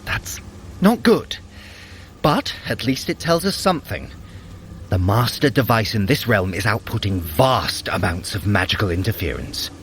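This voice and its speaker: An actor playing a sly, sardonic trickster god in an audio drama, with a wry, articulate, theatrical delivery. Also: male voice, lowish voice, sing-song, unhurried, fairly bright tone, a little hiss or hum, full character voice. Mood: focused. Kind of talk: scripted audio drama acting.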